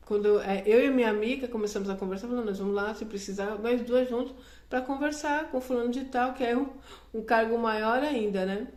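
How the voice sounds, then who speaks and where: Woman, testimony speaker, earnest storyteller who acts out the dialogue, somewhat high voice, roomy echo. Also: darkish tone. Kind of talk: personal testimony.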